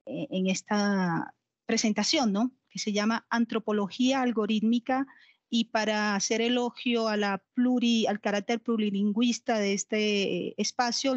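A woman's voice: mid-range voice, no echo, dull audio. A woman in her forties with a Colombian accent, reading a formal academic lecture over a headset on a video call. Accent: Colombian Spanish. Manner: measured, formal, reading aloud. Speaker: conference speaker. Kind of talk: academic lecture read from text. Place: home office, video call.

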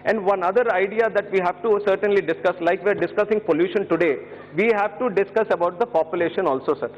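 An Indian English-accented man in his thirties makes a pleading case before parliament, his voice sitting high for a man. He hesitates often and keeps calling the chair "sir". The sound carries a long chamber reverb and dull broadcast audio. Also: fast. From Andhra Pradesh, India. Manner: earnest and pleading, many hesitations and "sir" addresses, gesturing. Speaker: member of parliament. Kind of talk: parliamentary speech. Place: large parliament chamber, indoors. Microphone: fixed desk microphone.

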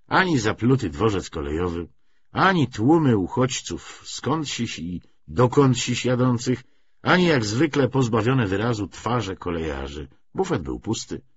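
A man reading literary narration for an audiobook in an expressive, measured storytelling way. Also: on the low side, slightly rough. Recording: dull, muffled lo-fi recording.

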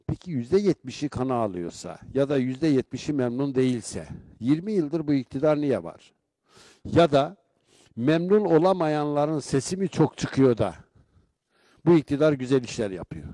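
A middle-aged man hosts a local call-in style show, his voice warm and dark. He is recorded close and dry, and he moves from easy chat into pointed rhetorical questions. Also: mid-range voice, very animated, moderate pace, no echo. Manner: conversational, turning rhetorical and emphatic when he comments. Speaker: local broadcast host reading viewer comments. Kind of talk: casual live-show commentary.

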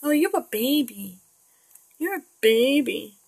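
A woman's voice: high-pitched, expressive, takes it slowly, gravelly, darkish tone, husky, dry recording. A woman in her late forties, chatting casually and rambling with frequent laughs while she paints digitally. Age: 40s. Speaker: digital artist.

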